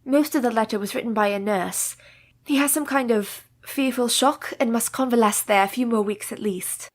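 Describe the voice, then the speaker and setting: An actress playing a caring, composed young woman who speaks in steady, formal period English in a radio play. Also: fairly high pitch, normal speed, dry recording, close to an everyday voice. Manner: steady, reassuring, formal speech.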